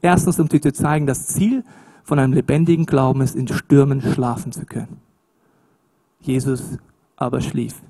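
A man preaching a sermon in an animated, emphatic, colloquial way, with swings between loud emphasis and hushed asides. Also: mid-range voice, moderate pace, gravelly.

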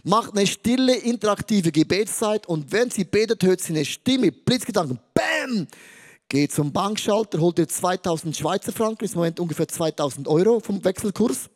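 A male pastor with a high voice delivers an energetic sermon. He tells stories about his family and acts out the dialogue. His voice jumps between loud and soft as he quotes people. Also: moderate pace. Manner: animated, acts out quotes with shifting pitch and loudness.

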